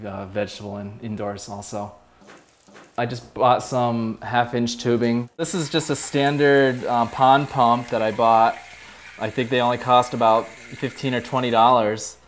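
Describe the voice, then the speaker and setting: Smooth-voiced man giving a hands-on tour. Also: medium pitch. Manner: plain, practical, with frequent fillers and restarts. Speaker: home aquaponics hobbyist. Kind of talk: casual explanatory tour. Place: greenhouse and home interior.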